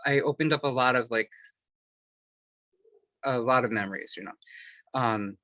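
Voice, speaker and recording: With a sharp, medium-pitched voice at a moderate pace, a male author talks openly about personal matters in an interview, wandering through fillers and restarts. The recording is dull, lo-fi and dry, with no room sound.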